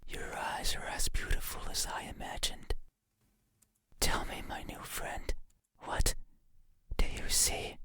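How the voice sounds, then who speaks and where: A performer voicing an eerily gentle, obsessive demon in breathy, menacing, ASMR-like whispers for a horror game. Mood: eerily intimate. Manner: slow, deliberate, menacing.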